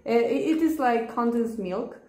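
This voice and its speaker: A woman's voice: fairly high pitch, animated, moderate pace, a little mellow. A young Argentine woman with a Spanish accent, explaining in careful, hesitant English full of ums as she searches for words. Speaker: guest cook. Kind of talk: casual chat. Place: small indoor room. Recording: echoey room, faint noise.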